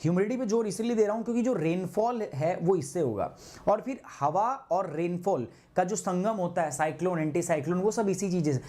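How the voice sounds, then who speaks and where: A man's voice: high-pitched, expressive, brisk, warm tone. A man teaching a live online class, chatty and scolding, who keeps checking in with his students as he switches between two languages. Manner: chatty and scolding, mixing Hindi and English, often saying "ठीक है".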